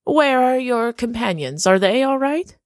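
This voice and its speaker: A woman acts out a polite, coolly menacing gentlewoman in an audio drama. She speaks very deliberately in a close, dry sound, with a lively melodic range and a threat held under her courtesy. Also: fairly high pitch, dry recording. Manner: slow, polite, measured, veiled threat. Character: genteel, coolly menacing woman, a veiled witch.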